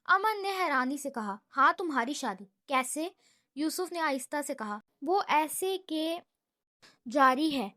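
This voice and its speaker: A woman narrating a romantic comedy novel, voicing its male characters' lines with animated delivery. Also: sits high. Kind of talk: storybook narration with acted dialogue.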